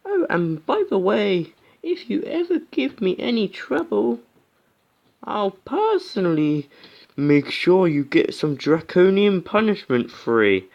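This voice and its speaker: Man putting on a shrill, strict lady teacher. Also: big pitch swings, slow, gravelly, muffled recording, heavily acted. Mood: threatening. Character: strict, angry female schoolteacher. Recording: music behind the voice.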